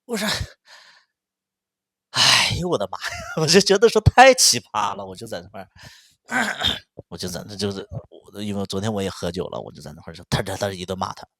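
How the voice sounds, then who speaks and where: A man hosting a livestream in casual chat, venting, stammering, repeating words and clearing his throat often. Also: fairly low pitch, very animated, a little fast, bright, forceful tone, no room sound, studio quality. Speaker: livestream host.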